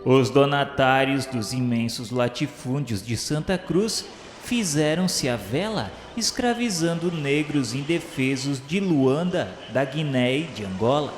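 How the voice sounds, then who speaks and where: Slow, solemn Brazilian man in long reverb. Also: medium pitch, expressive. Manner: formal, grandiloquent, reverent. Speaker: narrator. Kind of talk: solemn scripted narration of a religious radio novela. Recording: roomy long reverb, music behind. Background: music.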